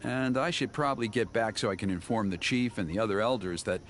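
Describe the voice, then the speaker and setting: A man's voice: on the low side, fast, a bit bright, lightly acted. A man voicing an earnest tribal mentor who patiently explains ceremonies. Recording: game audio with music.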